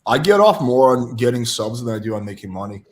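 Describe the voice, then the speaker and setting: With lively intonation and a medium-pitched voice, a young man from Russia talks fairly quickly as a podcast guest. He casually shares frank stories from his past, often poking fun at himself.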